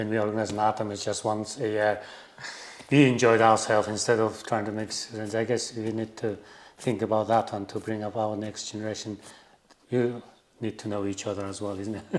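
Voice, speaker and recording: A man speaks at a fairly quick pace with a Mongolian accent, his fairly low voice held in a monotone, flat intonation. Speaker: podcast host. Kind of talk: podcast interview. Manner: halting.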